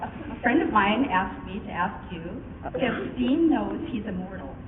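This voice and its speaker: A woman's voice: mid-range voice, expressive, moderate pace, background noise. A woman in the audience asking the panel a question, hesitant and giggly. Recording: distant mic in echoey hall, lo-fi.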